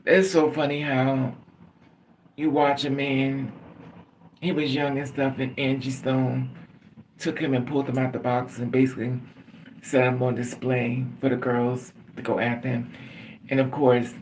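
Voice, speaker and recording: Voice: medium pitch, slight background noise. A middle-aged livestream host chatting casually and candidly with viewers, laughing often and calling on them by name.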